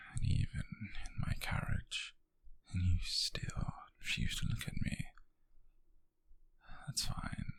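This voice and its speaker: A British man playing a possessive, obsessive, smug wealthy captor in an intimate ASMR roleplay, husky and whispery, speaking softly and deliberately close to the mic. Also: deep voice, level tone, dry recording, heavily acted. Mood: teasing, possessive. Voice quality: breathy, husky, gravelly whisper. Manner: slow, deliberate, menacingly soft. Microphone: close microphone, dry.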